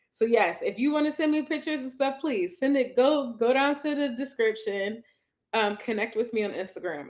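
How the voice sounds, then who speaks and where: A fairly high-voiced woman chats warmly to viewers from her couch at home. She is effusive and talkative, greeting each person in the chat and reading their comments aloud. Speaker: lifestyle coach hosting a live stream. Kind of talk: casual live-stream chat.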